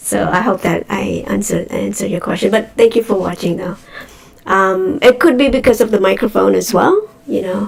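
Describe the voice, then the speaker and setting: A woman talks at a moderate pace, and noticeable background noise is present. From a developing country. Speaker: stock market streamer. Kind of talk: live stream commentary. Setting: live stream. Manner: goes higher in pitch when excited; hesitant, many fillers.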